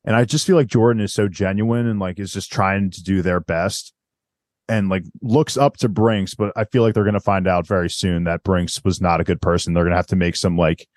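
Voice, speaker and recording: A man's voice: sits low, fairly even intonation, brisk, a little mellow, no room sound, clean studio sound. A young man co-hosting a casual show-review podcast, talking enthusiastically with lots of fillers. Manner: enthusiastic, rambling with many fillers. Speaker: podcast co-host.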